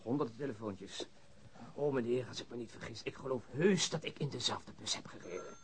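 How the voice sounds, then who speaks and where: An actor playing a busy police officer in a radio drama, wry and businesslike. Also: male voice, medium pitch, fairly quick, slight background noise, lightly acted. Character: busy male police officer fielding tip-off calls. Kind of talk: Dutch radio drama dialogue.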